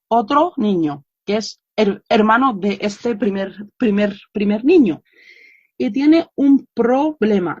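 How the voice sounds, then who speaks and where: Woman slowly explaining a religious lesson, stops and restarts a lot, muffled dry recording. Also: mid-range voice, breathy edge, no echo. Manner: halting, many restarts and self-corrections. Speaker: religious teacher relaying a lecture. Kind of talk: informal Islamic study lesson.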